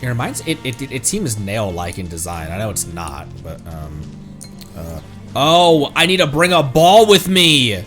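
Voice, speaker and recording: A man doing casual live gameplay commentary, excitable and playful, talking to himself and to the game as he plays. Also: mid-range voice, measured pace, over music. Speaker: streamer playing a video game.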